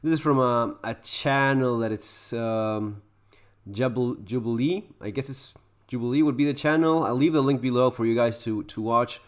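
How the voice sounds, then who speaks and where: A man's voice: medium pitch, moderate pace. A man hosting a reaction video, talking casually and opinionatedly with many restarts. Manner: hesitant, restarts often, opinionated asides. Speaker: YouTube host reacting to a video.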